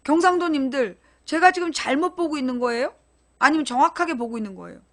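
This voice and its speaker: A woman with a high voice hosts a live-streamed political talk show. She speaks bluntly and casually, pressing her points and calling on her chat viewers to answer. Her delivery is emphatic and direct. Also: expressive, fast talker, fairly bright tone. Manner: talks directly to chat viewers, asks them questions; blunt and emphatic, informal speech.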